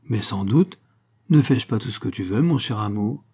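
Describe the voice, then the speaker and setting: A man's voice: fairly low pitch, expressive, normal speed, dark tone, husky. A man reading aloud voices a passionate, jealous young gypsy woman in a raised voice. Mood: earnest.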